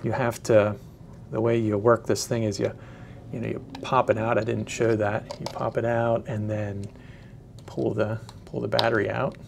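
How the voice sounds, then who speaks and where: A man giving a casual, unscripted product demonstration in a hesitant, halting way, often searching for words. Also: lowish voice, little pitch movement, vocal fry, a little hiss or hum. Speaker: product reviewer.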